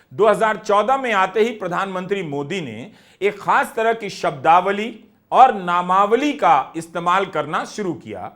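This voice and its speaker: A man hosting and narrating scripted news commentary in a measured, explanatory way. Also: high voice, fairly bright tone.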